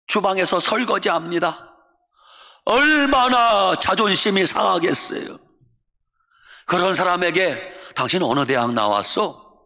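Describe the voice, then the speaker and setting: A middle-aged man from Chungcheong preaching a sermon as a pastor, humorous, mimicking dialects and shouting for emphasis. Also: a little high. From Chungcheong, Korea. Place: church sanctuary. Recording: long church reverb.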